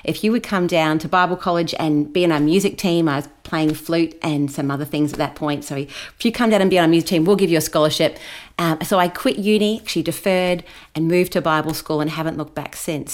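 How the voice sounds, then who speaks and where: A woman's voice: sits low, fairly quick. A woman from New Zealand, talking as a guest in a casual interview and laughing often. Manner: chatty and laughing.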